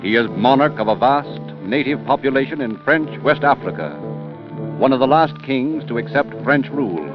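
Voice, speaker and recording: A male announcer from the early days of radio, delivering each line with formal showmanship. His voice is at a middle pitch, and the recording is dull and muffled, with music playing clearly underneath. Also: expressive, normal speed. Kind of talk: 1930s radio narration and interview.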